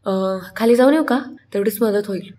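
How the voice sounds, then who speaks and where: A woman's voice: medium pitch, brisk, dark tone, natural voice. A woman voicing a bored young wife who answers her husband dryly and mildly pleads, in a retold story. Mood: wry.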